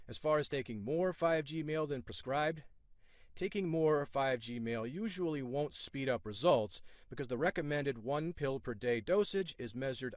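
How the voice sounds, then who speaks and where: A man reading a scripted sales pitch in a smooth, reassuring salesman manner, from the United States. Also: dry recording, studio quality. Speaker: ad presenter.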